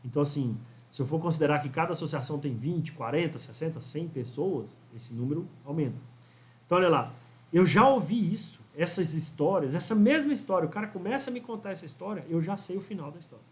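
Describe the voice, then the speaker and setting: A man's voice: on the high side, animated, quick pace. A man, teaching fish farming in a chatty storytelling way, often tagging sentences with "né?". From Brazil. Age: 40s. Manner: chatty storyteller, frequent "né?" tags, acts out quoted voices. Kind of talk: casual instructional talk to camera. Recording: dull lo-fi audio.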